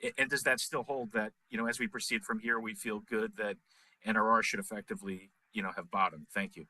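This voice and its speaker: A man speaking as a financial analyst on an earnings call, asking questions in a halting way with stammered restarts. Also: fairly low pitch, fairly even intonation, bright, forceful tone, no echo, low-quality recording.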